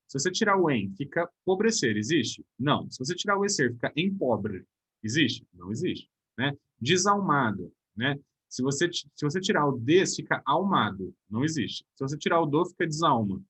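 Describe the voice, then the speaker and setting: A man's voice: on the high side, fairly bright tone, husky. A man with a Brazilian Portuguese accent teaching a recorded grammar lesson, explaining step by step and checking in with his students.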